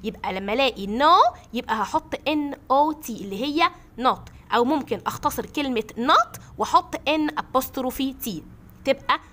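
A woman with an Egyptian accent teaching a classroom grammar lesson, patiently repeating examples slowly. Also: sits high, lively intonation, a bit bright. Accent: Egyptian Arabic.

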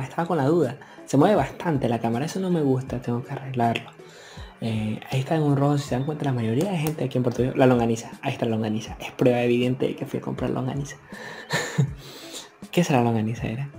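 A man's voice: mid-range voice, fast talker, warm tone. A young man giving a wry, casual voice-over full of local slang. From Ecuador. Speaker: motovlogger. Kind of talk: relaxed voice-over narration. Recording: voice-over with faint music behind.

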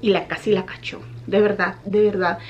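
A young woman vlogger casually telling a personal story to her viewers, animated when she retells what people said. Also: medium pitch, moderate pace, highs cut off, a little hiss or hum.

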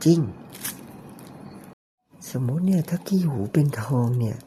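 A man narrating an ear-cleaning demonstration, talking in a deliberately raised, soft, falsetto-like voice with chatty, joking asides. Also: lively intonation, slight background noise.

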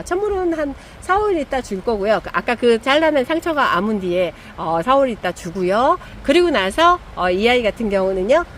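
A middle-aged woman chatting casually while repotting succulents, animated and full of fillers. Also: a little high, slight background noise. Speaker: succulent grower and seller. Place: outdoor or greenhouse setup, rain in afternoon.

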